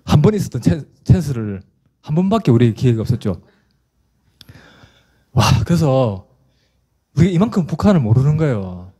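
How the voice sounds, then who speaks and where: Mellow-voiced, animated preacher. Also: male voice, mid-range voice, moderate pace, pauses often, breathy edge. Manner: animated storyteller, acts out scenes, frequent restarts. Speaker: pastor. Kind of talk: sermon with storytelling.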